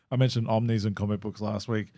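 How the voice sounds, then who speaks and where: Hoarse guy, lowish voice, dry close sound, rambling podcast host, lots of ums and restarts. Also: level tone, moderate pace, dark tone, dry recording. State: hoarse, losing his voice. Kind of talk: casual solo podcast chat. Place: home.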